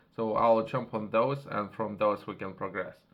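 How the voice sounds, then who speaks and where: A man is speaking. His pitch is medium. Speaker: online business vlogger. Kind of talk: casual vlog monologue. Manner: hesitant, many fillers; fast.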